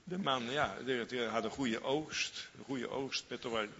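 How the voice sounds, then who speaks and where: A man's voice: mid-range voice, unhurried, pushed and bright, long reverb tail, dull audio, a little hiss or hum. A man preaching a sermon, fervent and repetitive, lingering on each phrase.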